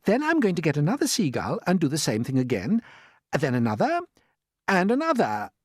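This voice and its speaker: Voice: mid-range voice, huge pitch swings, a little fast, darkish tone, husky, no room sound, studio quality, pitched above the performer's own voice. A storyteller voicing an earnest, clever young boy explaining a bold plan. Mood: determined. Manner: earnest, stammering at times.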